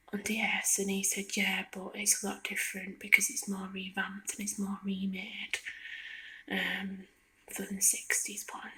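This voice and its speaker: A woman giving a soft-spoken ASMR ramble in a hushed, hesitant whisper, meandering as she goes. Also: mid-range voice. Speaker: video creator. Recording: lo-fi close whispering.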